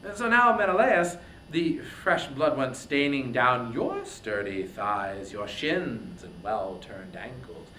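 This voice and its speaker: Guy narrating an old epic poem super theatrically, bright punchy voice, echoey room. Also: big pitch swings, slow. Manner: theatrical, declamatory, emphatic phrasing. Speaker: reader, narrator. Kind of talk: dramatic reading of epic poetry. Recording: roomy, echoing, faint background rumble.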